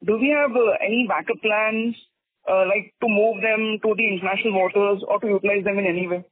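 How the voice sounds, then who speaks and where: An Indian-accented man phones in as a questioner on an investor call, polite and a little hesitant. His voice is high and rough-edged. The line is tinny and dry. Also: steady tone, brisk, no echo. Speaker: caller asking questions.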